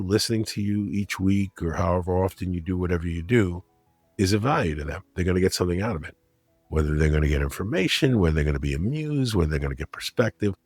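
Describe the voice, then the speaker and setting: A man's voice: low voice, slightly rough, dry recording. A man being interviewed as a guest, explaining his advice conversationally with examples and rhetorical questions. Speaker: guest, media critic and broadcaster.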